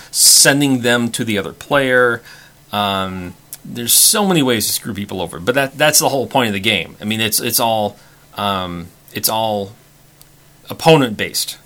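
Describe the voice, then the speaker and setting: A man co-hosting a casual board game chat, halting with frequent restarts. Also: lowish voice, pushed and bright. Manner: halting, many restarts and fillers. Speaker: podcast co-host.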